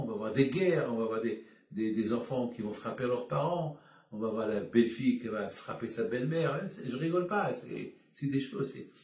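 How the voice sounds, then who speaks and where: Un homme d'âge mûr, rabbin fatigué, prêche par appel vidéo avec des hésitations et des répétitions ferventes, le son lointain et résonnant. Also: male voice, mid-range voice, creaky, a little mellow. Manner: halting, repetitive, heartfelt preaching. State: tired. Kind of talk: sermon over a video call. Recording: echoey, distant video call audio.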